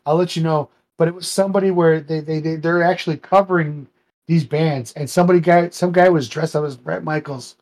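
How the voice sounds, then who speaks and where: A man co-hosting a podcast, chatting casually, halting and repeating words as he searches for what to say. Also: on the high side, fairly even intonation, a little mellow. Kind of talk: casual chat.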